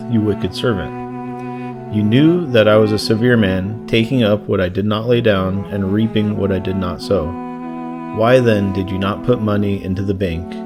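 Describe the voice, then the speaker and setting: A man, a deacon, reading scripture aloud in a solemn, measured and formal manner. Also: on the low side. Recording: music under the voice. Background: guitar music.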